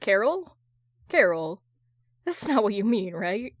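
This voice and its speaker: A woman's voice: medium pitch, very animated, takes it slowly, no room sound, clean studio sound. A woman voicing a flustered, defensive man, insecure but boastful, in an audio fan-fiction drama. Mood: wounded, exasperated. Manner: stammering, protesting.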